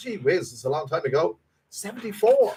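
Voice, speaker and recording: A man with a Dublin accent speaks at a fairly quick pace. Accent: Irish (Dublin). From Ireland, Dublin. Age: 50s. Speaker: YouTuber live streamer. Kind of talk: casual live stream chat. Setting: live stream. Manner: halting, many false starts and repeats.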